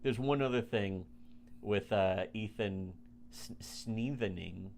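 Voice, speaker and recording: A man's voice: fairly low pitch, slow pace, creaky, darkish tone, a little hiss or hum. A man co-hosting a podcast in crude casual banter, rambling and profane with frequent restarts. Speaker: podcast co-host.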